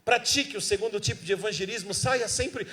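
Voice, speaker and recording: High-voiced Brazilian preacher. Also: male voice, a little fast. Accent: Brazilian Portuguese. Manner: storytelling preacher, swings from hushed to shouting. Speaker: missionary evangelist. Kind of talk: sermon testimony.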